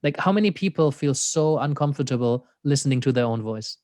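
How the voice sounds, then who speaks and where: A man's voice: mid-range voice, expressive, brisk, a little mellow, no echo, clean studio sound. A man with a German accent, an existential coach talking thoughtfully as an interview guest, laughing often and leaning on "you know.". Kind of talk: reflective conversational interview.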